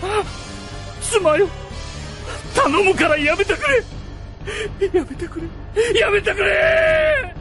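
An anguished, guilt-ridden father of noble house, in a radio drama. His high voice pleads theatrically with slow, heavy delivery over music. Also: expressive, sharp tone, exaggerated voice. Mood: desperate pleading. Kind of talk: Japanese radio drama acting.

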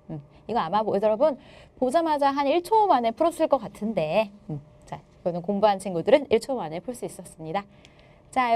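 A woman teaching an exam-explanation lecture, lively and playful, joking with her students. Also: fairly high pitch.

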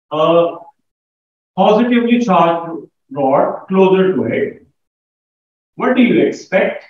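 Echoey, high-voiced South Asian male teacher. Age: middle-aged. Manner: encouraging, checks understanding often. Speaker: physics teacher. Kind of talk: classroom lesson, questioning students. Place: indoor classroom at a whiteboard. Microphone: far camera. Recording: echoey room, far mic, slightly dull.

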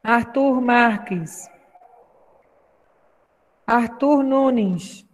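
A woman teacher leading an online class over a video call, taking roll and slowly modelling English phrases for children to repeat. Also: on the high side, big-room sound. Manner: slow, carefully enunciated English for repetition.

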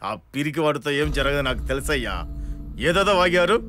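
A man's voice: a little high, lively intonation, a little fast, sharp tone, a little hiss or hum. A man playing a stern boss in a comedy film, giving curt orders. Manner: curt, commanding.

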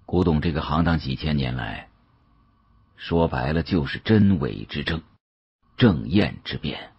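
A man voicing a grave, knowing older male official in an audiobook, husky, unhurried and lecturing. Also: rumbling low, animated, no room sound, dull audio, heavily acted. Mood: grave, probing. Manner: slow, weighty, lecturing.

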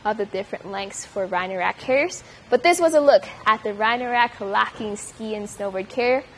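A woman's voice: mid-range voice, normal speed, a little hiss or hum, rough recording. A young woman in her twenties giving an upbeat, hands-on product demonstration as a reviewer in a large white studio.

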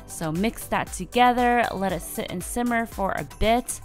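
A woman in her thirties, a lifestyle vlogger, talking through her meal prep in a relaxed, friendly voice-over. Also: a little high, normal speed, faint music behind. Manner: friendly, relaxed instructional talk with upbeat lifts. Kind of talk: cooking voice-over, casual how-to.

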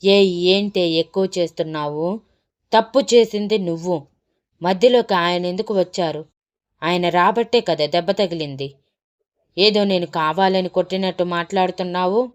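Lady reading as an angry arrogant young husband, shouting at his wife, smooth low-ish voice. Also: a little slow, lightly acted. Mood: furious. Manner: shouting accusations, scornful. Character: enraged young husband, arrogant and hot-tempered.

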